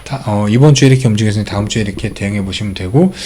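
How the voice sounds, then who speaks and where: A man's voice: on the low side, rapid-fire, warm tone. A middle-aged man hosting a stock channel, talking casually through charts step by step with lots of fillers. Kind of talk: casual stock market commentary.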